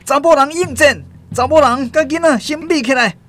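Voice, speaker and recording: Guy doing a bossy protective tribal chief dad, taiwanese accent, high strained yelling, radio play. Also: moderate pace. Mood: urgent alarm. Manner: urgent, commanding shouting. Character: commanding, protective tribal chief, a young woman's father. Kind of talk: radio drama acting.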